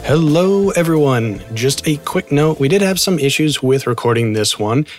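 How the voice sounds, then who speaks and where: A man's voice: on the high side, lively intonation, normal speed, faint music behind. A man hosting a podcast interview over a video call, friendly and talking in long run-on sentences. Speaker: podcast host. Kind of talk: casual interview.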